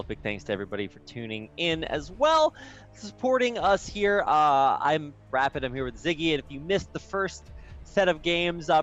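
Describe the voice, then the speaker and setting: A man's voice: mid-range voice, a bit bright, highs cut off. A man casting an esports match live, chatty and upbeat, with many casual fillers. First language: English, with Spanish as second language. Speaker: esports caster. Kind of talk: live game commentary.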